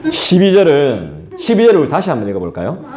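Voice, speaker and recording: A male pastor, preaching an expository sermon in a lively, colloquial way and talking straight to the congregation. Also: a little high, brisk. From South Korea. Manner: lively, colloquial, acts out scolding voices and asides to the congregation. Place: church sanctuary. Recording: echoey church hall.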